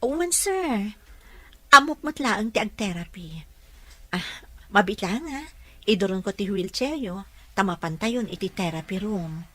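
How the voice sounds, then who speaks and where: A woman as a bright, patient female caregiver. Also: mid-range voice, expressive, unhurried, pauses often. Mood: coaxing. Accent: Filipino. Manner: coaxing, polite. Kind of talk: Ilocano radio drama acting.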